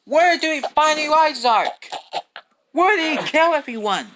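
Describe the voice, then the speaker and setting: Woman acting a high-voiced, resolute hero ally. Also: expressive, a little slow, a bit bright. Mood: demanding. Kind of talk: dramatic voice acting in fan cartoon cutscenes. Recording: noisy, with clicks.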